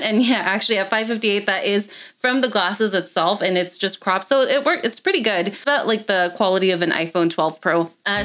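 A young woman in her twenties with a fairly high voice, answering viewer questions to camera in a casual, filler-heavy way from a small room. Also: fairly bright tone. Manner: chatty, lots of "like" and "um" fillers. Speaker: tech reviewer. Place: small room with gaming chair and LED lights, indoors.

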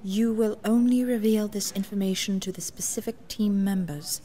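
Actress as a poised, authoritative rebel leader. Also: female voice, mid-range voice, fairly even intonation, moderate pace, dark tone, close to an everyday voice. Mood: solemn, commanding. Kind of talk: sci-fi audio drama acting.

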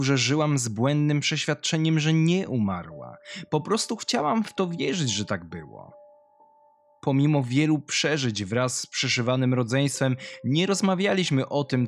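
A man's voice: mid-range voice, lightly acted. A man voicing a sadistic, mocking woman killer who confides her grim childhood in a horror audio story.

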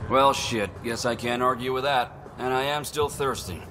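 A man's voice: mid-range voice, moderate pace, background noise, natural voice. A man playing a reluctant, wary young outlaw in a video game, speaking hesitantly. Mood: resigned. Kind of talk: video game dialogue acting.

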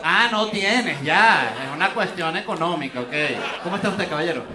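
A Venezuelan man performs stand-up crowd work in a high-pitched voice, teasing people with mocking banter. He is on a roomy theater stage, with audience noise clearly around him. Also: lively intonation, moderate pace, distant mic. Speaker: stand-up comedian, host. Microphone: handheld microphone.

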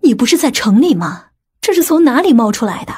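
A woman plays a fretful older mother in an audiobook drama. Her voice is fairly high and husky, with a nagging, questioning delivery. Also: very animated, brisk, a little mellow, full character voice. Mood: surprised, doubting.

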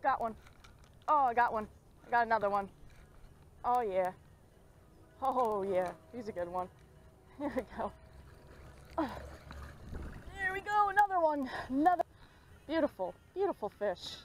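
A young woman chatting excitedly while fishing at a pond, filmed on a head-mounted action camera. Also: on the high side, unhurried, pauses often. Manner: excited, chatty, laughs often. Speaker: fishing vlogger. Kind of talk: casual commentary while fishing. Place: outdoors at a pond bank.

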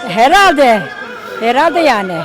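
A woman's voice: sits high, sing-song, slow, over music. A woman giving short, cheerful answers in a street interview. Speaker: passerby interviewee. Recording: noisy street crowd.

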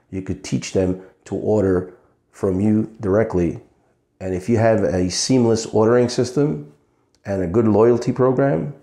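A middle-aged man giving an earnest scripted sales pitch to camera, asking rhetorical questions. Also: warm tone, echoey room. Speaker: web agency owner pitching to restaurants. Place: indoor studio in front of a logo backdrop. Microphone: fixed camera, seated medium shot.

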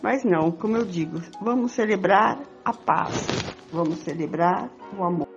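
A woman's voice: on the low side, normal speed, close to an everyday voice. An older Brazilian woman playing a devoted, romantic, jealous sweetheart in an amateur radio drama. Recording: dull lo-fi audio with music.

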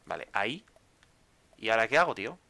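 Young man, bright lively voice, chatty gameplay commentary, faint hiss behind. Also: on the low side, quick pace, vocal fry. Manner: chatty, exclaiming, repeats words when stuck. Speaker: gameplay video host.

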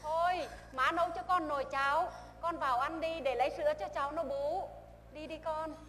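A woman's voice: high-pitched, steady tone, brisk, a bit bright, slight background noise. A fretful old mother on stage. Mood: soothing. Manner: fretful, scolding then soothing. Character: old mother of a young revolutionary, anxious. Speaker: stage actor. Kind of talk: stage drama acting. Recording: stage recording with long reverb and music.

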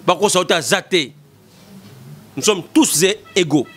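Emphatic high-voiced Congolese man. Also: expressive, normal speed, fairly bright tone. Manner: emphatic, repetitive, gesturing. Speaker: political commentator. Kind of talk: impassioned political commentary. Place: small studio. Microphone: desk mic in front.

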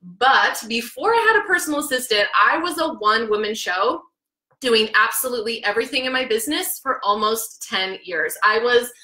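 An excitable woman in her thirties hosts a live podcast from her small home office, her naturally loud voice bright and forceful. She speaks into a studio mic while wearing headphones, and the room adds a noticeable echo. Her pitch sits a little high. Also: normal speed. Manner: hyper, excitable, naturally loud, laughs often. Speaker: podcast host. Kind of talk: energetic live video podcast.

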